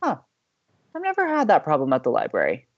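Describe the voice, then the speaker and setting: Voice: medium pitch, huge pitch swings, brisk, no room sound, lo-fi sound. An actor playing a playful, sociable college radio co-host who banters earnestly and teasingly with theatrical emphasis. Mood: eager.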